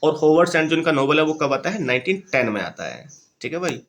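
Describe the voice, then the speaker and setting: A young man giving a casual literature lecture for exam students. His voice sits slightly high and carries a gravelly rasp. He talks in an informal, chatty way and repeats key points for emphasis. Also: very animated, a bit bright. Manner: explains in Hindi, reads English titles slowly, repeats points; chatty and informal, keeps addressing listeners as "bhai" and "yaar". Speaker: exam-prep literature teacher. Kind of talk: casual lecture over slides.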